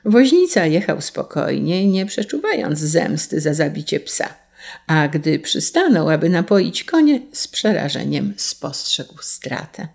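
A woman narrating a fairy tale in a slow, measured storybook reading. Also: sits low, very animated, gravelly, a little mellow.

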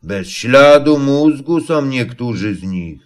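A man voicing a gloomy, sulky old donkey in a storybook reading, with a slow, mournful drawl. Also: medium pitch, animated.

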